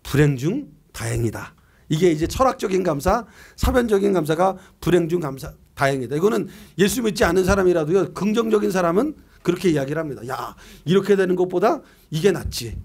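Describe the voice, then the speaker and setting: A man's voice: sits high, lively intonation, brisk, creaky, a little mellow, breathy edge. A middle-aged man preaching a year-end sermon as pastor, reading scripture aloud and asking and answering his own questions in a conversational way.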